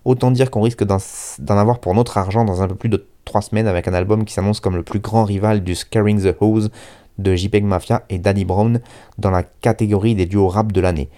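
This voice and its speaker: Relaxed low-voiced French radio host. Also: male voice, a little fast. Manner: relaxed, self-mocking, stumbles over words; reads a review aloud. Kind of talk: hip-hop radio show, casual presenting.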